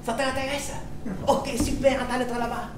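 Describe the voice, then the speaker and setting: A woman's voice: high voice, little pitch movement, moderate pace, recorded from a distance, noisy background, close to an everyday voice. Woman putting on a sing-song teacher. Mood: teasing. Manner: sing-song, exaggerated tones, chuckling asides. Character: cheerful female Chinese language teacher, cheeky and teasing. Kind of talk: stand-up character sketch. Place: comedy club stage. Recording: roomy live stage mic from afar. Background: loud audience laughter.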